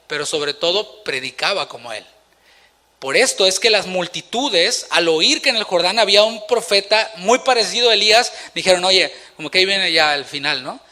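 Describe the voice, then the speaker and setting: A man's voice: high voice, bright, forceful tone. A man preaching a sermon as pastor in a church, asking rhetorical questions and acting out the quotes he tells.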